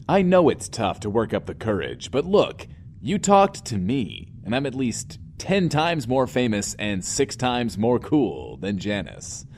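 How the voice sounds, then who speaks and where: An actor playing a smug but soft-hearted radio host, delivering a theatrical, self-loving monologue in an audio drama. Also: male voice, medium pitch, a little hiss or hum. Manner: pompous, theatrical, swooping emphasis. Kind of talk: in-world radio show monologue.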